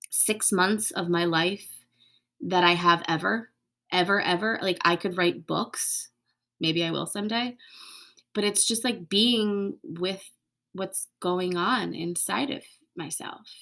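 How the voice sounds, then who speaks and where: Woman podcaster, bit of vocal fry, chatty and open, drops into whispers sometimes. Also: on the low side, steady tone, slow pace. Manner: candid, swears casually, drops to soft whispers. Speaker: podcast host. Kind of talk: casual reflective monologue.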